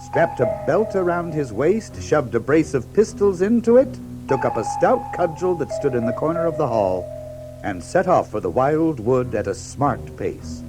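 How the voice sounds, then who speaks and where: A man's voice: on the high side, very animated, moderate pace, rough recording. A man narrating a children's story in a dramatic, scripted storybook style. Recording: music behind the narration.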